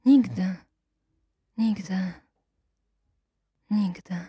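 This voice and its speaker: A woman's voice: medium pitch, very slow, warm tone, breathy edge, no room sound, exaggerated voice. Woman doing grieving fiancée, desperate, tearful pleading, slips into whispers, dry close sound. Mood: anguished.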